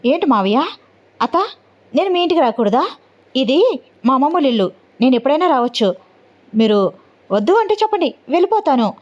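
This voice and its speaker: A woman's voice: sits high, moderate pace, muffled recording, voice pushed up, natural voice. A woman voicing a fiery, defiant young woman who speaks boldly and bluntly. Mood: angry, defiant. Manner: bold and confrontational.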